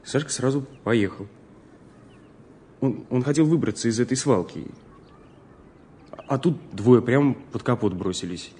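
An actor playing an earnest, troubled young student who speaks haltingly and seriously in an audio drama. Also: male voice, mid-range voice, mellow, a little hiss or hum, close to an everyday voice. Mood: troubled recollection. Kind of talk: Russian audio drama acting.

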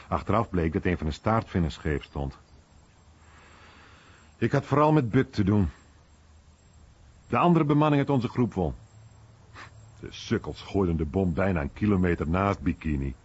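A man's voice: deep voice, animated, unhurried, long pauses, darkish tone, husky, exaggerated voice. A man playing a rueful American bombardier veteran telling his story colloquially in a radio play. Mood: rueful, animated. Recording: dull, band-limited radio recording.

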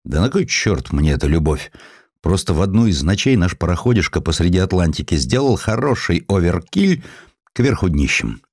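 A poor, worn-out former sailor , acted by a male reader, speaks in a deep voice with blunt, salty plainness. He is gruff and proud yet kind-hearted, and his pitch moves freely in a dry, close audio-story recording. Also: big pitch swings, normal speed, a little mellow, dry recording, full character voice. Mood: gruff, matter-of-fact.

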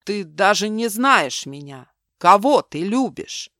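A woman's voice: fairly low pitch, animated, measured pace, a bit bright, no room sound, clean studio sound. A woman voicing a bitter, vengeful man just out of prison, harsh and mocking with a raised voice.

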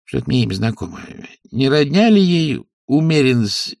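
A man voicing a bluff, hearty old wizard who talks in a booming way. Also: sing-song, moderate pace, gravelly, darkish tone, no room sound, studio quality.

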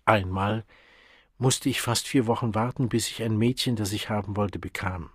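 A man's voice: fairly low pitch, moderate pace, breathy edge, no room sound, studio quality. A man voicing a hesitant young male student answering a question.

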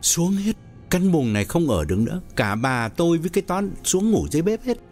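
A man's voice: a little high, big pitch swings, fairly quick, a little mellow, soft background music, pitched above the performer's own voice. A man playing a frightened, worn-out older husband who speaks wearily and irritably. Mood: weary fearful. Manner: weary, irritable, anxious.

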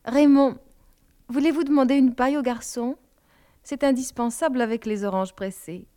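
Casting: poised, elegant woman, calm and collected, read by a woman narrator. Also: sits high, normal speed, voice pushed up, natural voice.

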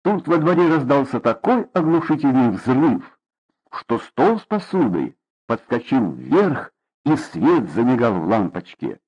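A man's voice: mid-range voice, big pitch swings, unhurried, darkish tone, husky. A man narrating a novel as an audiobook reader, reading expressively, on a dull lo-fi recording. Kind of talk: scripted narration.

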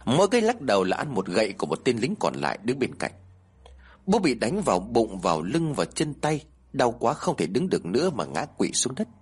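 A man's voice: mid-range voice, a little fast, husky. A man narrating a first-person ghost story and voicing the quoted people in it. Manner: lively, voices the quoted characters.

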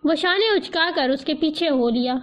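A woman reading a novel aloud in a steady, even storytelling manner. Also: high voice. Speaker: audiobook narrator. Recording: dull lo-fi audio.

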